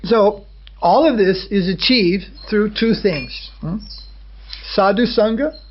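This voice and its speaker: A man, a swami, giving a measured spiritual lecture, often pausing to check on his listeners with a questioning "hmm?". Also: sits high, a little hiss or hum. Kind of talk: religious lecture. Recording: dull lo-fi recording.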